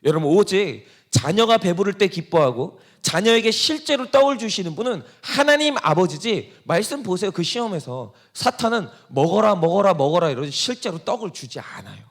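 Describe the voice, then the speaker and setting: A man's voice: high voice, very animated, normal speed, hardly any pauses, a bit bright. A male pastor preaching a sermon, asking the congregation rhetorical questions and acting out quoted voices. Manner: acts out Satan's taunting voice in quotes.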